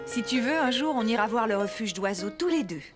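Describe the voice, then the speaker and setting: A woman voicing a gentle young mother in a dubbed cartoon, soft and encouraging. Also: a little high, expressive, fairly quick, loud music behind the voice, close to an everyday voice.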